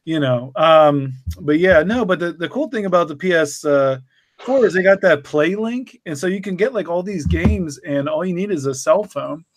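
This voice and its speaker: A man's voice: fairly high pitch, lively intonation, normal speed, background noise. A man in casual podcast conversation, talking in a chatty, informal way.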